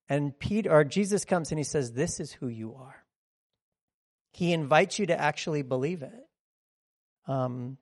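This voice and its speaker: A man's voice: on the high side, creaky, darkish tone. A man preaching a conversational teaching sermon in a rambling, digressive way, often checking in with listeners.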